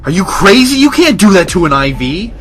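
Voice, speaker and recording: Man as frightened male patient, casual everyday voice, very lively pitch, panicky, horror audio drama, faint music. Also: brisk. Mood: panicked. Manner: casual speech rising into frantic yelling.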